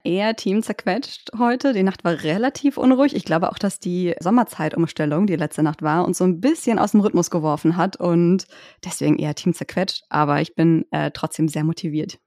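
Podcast co-host, woman in her thirties, lower register, thoughtful and halting delivery, dry recording. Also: mellow, no room sound. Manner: reflective, hesitant, many restarts. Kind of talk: casual podcast chat.

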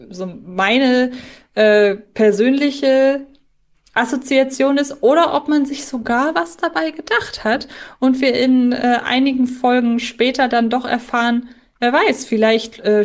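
A woman co-hosting a podcast, talking conversationally in a fan discussion. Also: fairly high pitch. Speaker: podcast co-host.

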